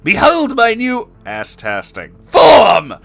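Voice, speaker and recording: A man voicing a huge, greedy puppet monster villain in a story, bombastic and mocking, with drawn-out taunts. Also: extremely high pitch, huge pitch swings, vocal fry, a bit bright, voice pushed up, full character voice. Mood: gloating, grandiose.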